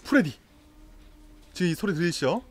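A young male streamer with a high voice that leaps all over its range. He talks through a horror game in an excited, playful way, teasing and joking as he plays. His commentary bounces between calm reassurance and loud yelps. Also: normal speed. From Korea. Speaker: gaming streamer. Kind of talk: excited live gameplay commentary.

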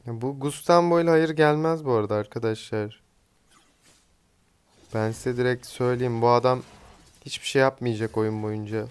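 A man's voice: mid-range voice, normal speed, long pauses, clean tone. A young man giving casual commentary while he plays a mobile game, chatty and teasing, swearing lightly at teammates. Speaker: gaming streamer. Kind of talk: casual live gameplay commentary.

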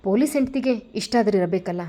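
A woman's voice: medium pitch, fast talker, warm tone, close to an everyday voice. A woman playing a sarcastic defiant young wife. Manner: sarcastic, cutting.

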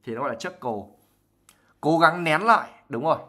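A man's voice: on the high side, expressive, brisk, sharp tone. A man teaching English vocabulary on a live stream. He reads a novel aloud and explains words chattily, mixing English words into his talk and acting out examples. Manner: laughs and acts out examples while explaining. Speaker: IELTS teacher.

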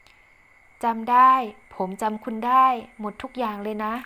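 A woman's voice: on the high side, flat delivery, takes it slowly, sharp tone. Woman voicing a cool young male boss.

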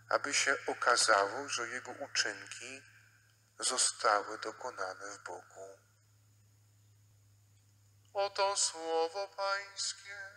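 Slow, forceful priest preaching. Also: male voice, mid-range voice, rough recording. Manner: solemn, measured, with deliberate pauses. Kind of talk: homily and Gospel reading at Mass. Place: inside a church.

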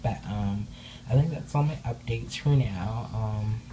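A woman chatting casually in an indoor room as a doll hobby vlogger, rambling with many filler words and bubbly excitement. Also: a bass voice, a little slow, background noise. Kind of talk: casual update vlog. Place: indoor room, speaking off camera behind dolls.

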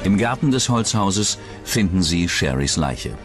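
A man's voice: low-pitched, very animated, measured pace, music in the background. A man narrating a true-crime documentary from a script.

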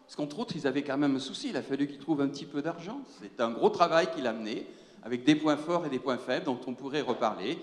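A man moderating a round table in an animated, joking, teacherly way, on a handheld mic in a large lecture hall. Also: mid-range voice, fast talker. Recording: echoey hall, long reverb.

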